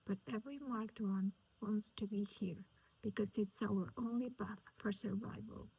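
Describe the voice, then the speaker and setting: A brooding young man who speaks low and intimately to the woman he protects, as a woman reader whispers him. The whisper is breathy and husky, with a gravelly fry underneath and an unhurried pace. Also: fairly even intonation, mellow, heavily acted, rough recording. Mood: tender. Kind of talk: whispered reading of a novel.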